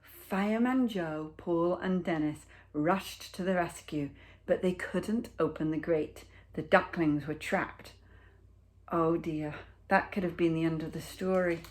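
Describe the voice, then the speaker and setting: Slow-paced woman reading a storybook. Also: lowish voice. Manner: expressive, deliberate storytelling with dramatic pauses. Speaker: teacher reading to children. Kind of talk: children's picture book read-aloud.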